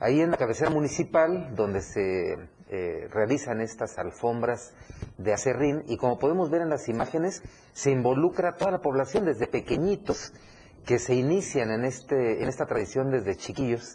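The man's lively intonation rises and falls around a medium pitch. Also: moderate pace. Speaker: arts and culture columnist. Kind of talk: scripted narration.

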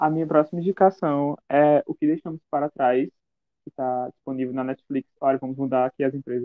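With hardly any pauses, a man with an ordinary speaking voice keeps a moderate pace, his fairly high pitch carrying fairly even intonation. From Fortaleza, Brazil. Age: 20s. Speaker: writer and film student. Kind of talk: casual chat.

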